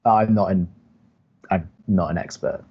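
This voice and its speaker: A man playing a reluctant college radio co-host in an audio romantic comedy, dry and exasperated, halting when flustered. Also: sits low, steady tone, breathy edge, muffled recording. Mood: flustered, hesitant.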